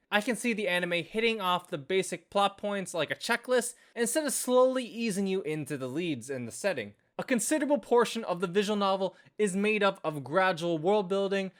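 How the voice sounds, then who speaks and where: Background music accompanies a male reviewer of anime and visual novels as he reads his scripted video review. He has a high-sitting, fairly bright voice.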